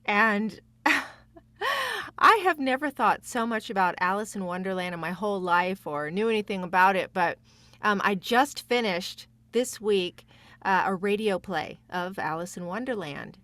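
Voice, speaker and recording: Woman, medium pitch, casual conversation, emphatic and effusive, very dry close-mic sound. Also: measured pace, a bit bright, no room sound. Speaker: podcast guest, voice actor. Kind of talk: casual chat.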